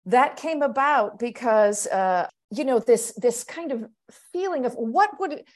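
A woman from Pittsburgh, a stage actor, speaking as a guest on a podcast in a thoughtful, measured way. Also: a little high, expressive. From United States (Pittsburgh). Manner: thoughtful, measured, often laughing softly. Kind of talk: casual podcast interview.

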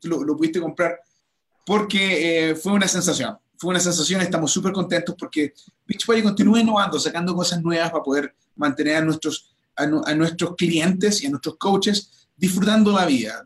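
A man hosting an enthusiastic promotional interview, talking with frequent restarts and repeated words. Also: on the high side. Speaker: host. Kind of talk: livestream interview chat.

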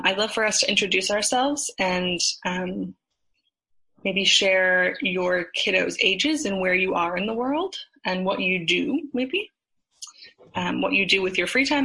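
A woman's voice: mid-range voice, creaky, pushed and bright, husky, rough recording. American woman, thirties, mid-range voice, moderating a group chat in a loose, tentative way. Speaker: host, moderator. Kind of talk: casual group conversation.

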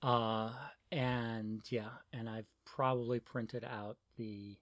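A middle-aged trans woman co-hosting a podcast, talking in a reflective, animated way and laughing often. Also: very deep voice, slow, no echo, studio quality. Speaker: podcast co-host. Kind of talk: casual conversation.

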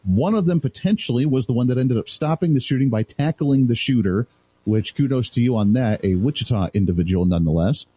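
A man's voice: medium pitch, brisk, mellow, husky, dry recording. A man sitting in as a talk radio host, chatting loosely and laughing easily with his co-host. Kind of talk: casual talk radio chat.

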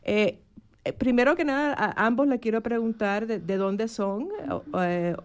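A woman's voice: a little high, a little slow, clean tone. A woman hosting a live radio interview in Spanish from a studio booth, friendly and conversational. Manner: friendly, conversational, some restarts. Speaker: radio host. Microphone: studio microphone.

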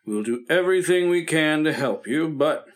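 A man playing a calm, firm family doctor. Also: fairly high pitch, normal speed, lightly acted. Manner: steady, patient, gently firm. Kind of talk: 1950s radio drama acting.

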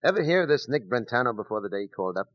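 An actor playing a hard-boiled police detective who also narrates, in a 1940s-style radio drama, clipped and wry. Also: male voice, medium pitch, big pitch swings, rapid-fire, close to an everyday voice. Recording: muffled old radio recording.

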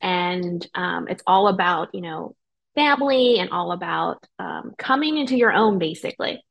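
A woman's voice: lowish voice, expressive, normal speed, gravelly, a bit bright, rough recording. A woman speaking as an author guest in a casual interview, informal and conversational. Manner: informal, frequent "you know" and "like". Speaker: podcast guest, debut novelist.

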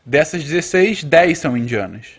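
A man's voice: fairly high pitch, lively intonation, moderate pace, husky. A young Brazilian man chatting as a podcast guest, hesitant and full of fillers and restarts. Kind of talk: casual chat.

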